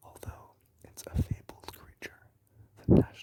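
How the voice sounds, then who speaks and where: A whispering voice keeps a moderate pace while noticeable background noise carries on. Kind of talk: ASMR whisper video, random facts talk to camera. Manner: quiet whispering.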